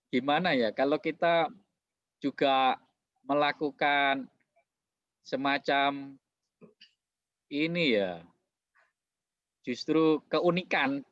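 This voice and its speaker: Dull-sounding, high-voiced male host. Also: no echo. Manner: warm, agreeable, frequent affirmations. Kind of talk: casual interview.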